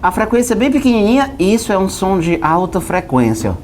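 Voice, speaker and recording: A male physics teacher gives a joking lesson, playfully posing questions and then answering them himself, as if talking to himself in both roles. His voice is brisk and a little mellow, with big pitch swings he uses for effect. A slight hiss or hum sits in the background.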